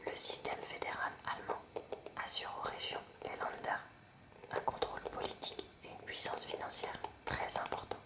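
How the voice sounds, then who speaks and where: Whispering woman reading a lesson. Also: far from the mic. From France. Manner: soft unvoiced whisper, slow careful reading. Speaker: ASMR creator. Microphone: close mic near hairbrush on a table.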